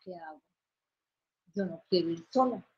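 A woman speaks in a Bogotá accent. Her medium-pitched voice is somewhat breathy. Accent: Bogotá Colombian Spanish. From Colombia, Bogotá. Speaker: former teacher giving a faith testimony. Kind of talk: testimony. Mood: earnest, reflective. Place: home room. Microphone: video call.

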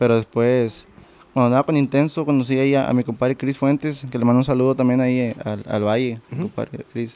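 Talking at a fairly quick pace, a man speaks with a northern Mexican accent. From Linares, Nuevo León, Mexico; Nuevo León, Mexico. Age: 20s. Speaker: band musician; interview guest. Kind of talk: casual interview chat. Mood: relaxed storytelling. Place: studio. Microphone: studio mic.

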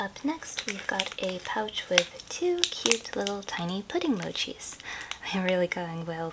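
A soft-spoken woman talks at a fairly slow pace. Loud background noise fills the recording. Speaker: ASMR creator. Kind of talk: ASMR unboxing. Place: home room.

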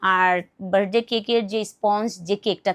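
With fairly even intonation and a fairly high pitch, a woman talks on a very clean recording with a silent background. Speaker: vlogger. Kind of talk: casual vlog talk.

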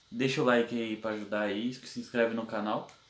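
A man at a moderate pace, with audible room echo. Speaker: youtuber. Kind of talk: casual reaction vlog chat. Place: home room. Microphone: earbuds.

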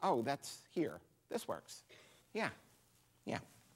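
A man is speaking at a fairly slow pace. The background is quiet. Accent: American. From US Northeast. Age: 60s. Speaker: marine conservation scientist; guest lecturer. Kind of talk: lecture. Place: hall. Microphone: podium.

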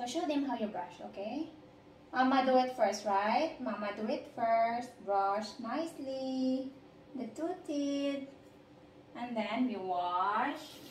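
A woman speaks at a very slow pace in a high voice with ordinary pitch variation, over light background noise and audible room echo. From Philippines. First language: Tagalog/Bisaya. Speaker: vlogger. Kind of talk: casual vlog talk; casual vlog chat. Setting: outdoors. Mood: warm, coaxing. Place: bathroom. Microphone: phone near.

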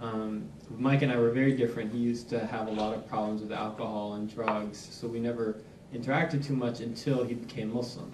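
A man with an American accent, fairly even intonation and noticeable background noise. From US Northeast. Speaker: panelist, convert to Islam, former teacher. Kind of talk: personal testimony. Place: meeting room.

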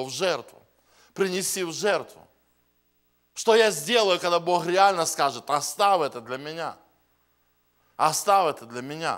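The voice moves at a fairly slow pace with ordinary pitch variation. The background is quiet. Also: man. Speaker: visiting preacher. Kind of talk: sermon. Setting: church with congregation. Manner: earnest, urgent, pleading preaching; rhetorical questions drive it; conversational, self-deprecating humor, with asides. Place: church. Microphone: handheld.

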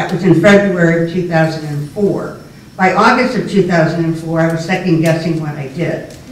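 The woman's fairly low pitch and fairly even intonation come with audible room echo and light background noise. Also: fairly slow pace. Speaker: elections official. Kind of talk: panel presentation. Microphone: camera far.

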